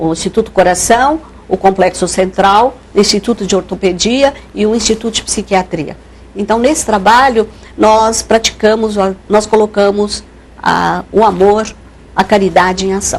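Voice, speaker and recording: A woman speaks at a moderate pace and a medium pitch, with ordinary pitch variation and noticeable background noise. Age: 70s. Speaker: retired forensic doctor, spiritist speaker. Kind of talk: TV interview.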